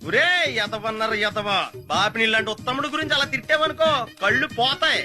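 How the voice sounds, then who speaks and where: A hot-headed man blustering threats in a film comedy. His voice is very high and fast. Film music runs behind him. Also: fairly even intonation, bright, forceful tone, exaggerated voice. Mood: threatening. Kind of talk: Telugu film comedy acting.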